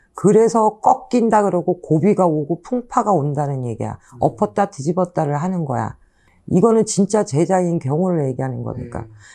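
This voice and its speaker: Here a woman's fairly low voice carries a dark, mellow tone and some vocal fry. Her pace is moderate, and her pitch swings very widely. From South Korea. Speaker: shaman. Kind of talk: casual monologue. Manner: animated. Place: home room. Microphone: lapel.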